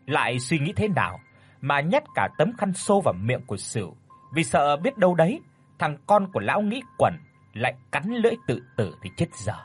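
A man narrating a horror story in a dramatic, expressive way. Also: a little high, moderate pace, husky. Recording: dry with faint music.

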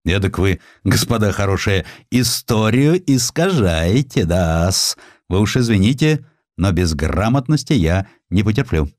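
A man acting a proud, lively provincial merchant collector. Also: fairly low pitch, a little slow, no room sound, clean studio sound. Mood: indignant. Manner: folksy, old-fashioned, ceremonious speech.

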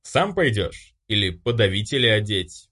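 A man's voice: lowish voice, very animated, moderate pace, pushed and bright, husky, exaggerated voice. A man as a curt academy teacher.

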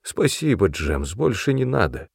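A man voicing a timid old grandmother who speaks softly in a raised voice and giggles as she gets tipsy. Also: sing-song, a little slow, creaky, husky, no room sound, clean studio sound, full character voice. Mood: timid, giggly. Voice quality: higher, soft, giggling.

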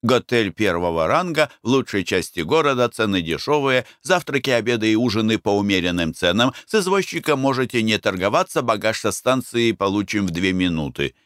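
A man voicing a pushy, fawning hotel tout who chatters without pause, in a raised voice. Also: lowish voice, expressive, fairly bright tone, no room sound, studio quality. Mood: wheedling.

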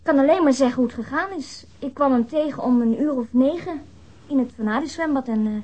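High, husky, chatty young female witness. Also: brisk, warm tone. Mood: uneasy, defensive. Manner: informal, rambling. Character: casual, chatty young woman, a slightly uneasy witness. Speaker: actress. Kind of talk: radio drama acting. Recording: dull, band-limited audio.

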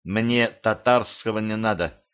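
A man's voice: fairly low pitch, unhurried, smooth, close to an everyday voice. A man reading the lines of a tough, blunt young woman archer in an audiobook, in his own plain voice. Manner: blunt, demanding. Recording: slightly dull lo-fi audio.

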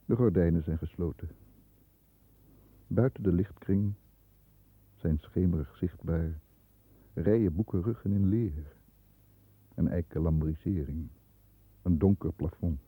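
Stern successful lawyer, measured introspective delivery, low voice, dull vintage radio recording, disdainful, middle-aged. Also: male voice, husky. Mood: measured, brooding. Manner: measured, introspective first-person narration. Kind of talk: 1960s radio drama acting. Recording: muffled, roomy old radio recording.

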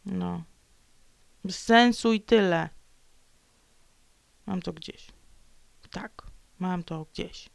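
A woman's voice: on the low side, drawn-out words, creaky, pauses often, no room sound. A woman vlogger talking alone in a sulky, ranting way, slipping into whispered mutters and playful growls. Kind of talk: grumbling solo monologue.

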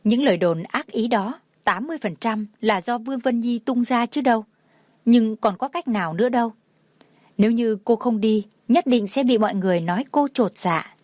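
A woman reading a romance novel aloud in a steady, even storytelling manner. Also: fairly high pitch, moderate pace, no room sound, studio quality. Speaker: narrator. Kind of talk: scripted audiobook narration.

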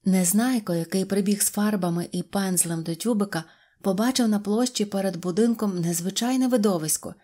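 A woman narrating a children's storybook in a clear, even reading voice. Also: medium pitch, brisk. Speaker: audiobook narrator.

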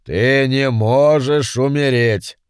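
A man voicing a pompous ancient demon lord who speaks in a slow, booming, imperious manner in an audiobook. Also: smooth, no room sound, studio quality, lightly acted. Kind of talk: audiobook character voice.

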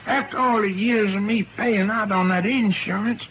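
An actor playing a nervous, cornered old rascal in an old-time radio drama, stammering, whining and flustered. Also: male voice, high-pitched, fairly even intonation, normal speed, natural voice. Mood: panicked pleading. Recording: vintage radio, narrow band, faint hiss.

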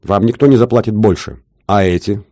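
A man's voice: fairly low pitch, brisk, mellow, no echo, clean studio sound, close to an everyday voice. A man voicing a shrewd older jeweler with an Odessa accent, talking in a wheedling, sing-song bargaining patter. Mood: haggling. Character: shrewd older male jeweler, haggling, fussy.

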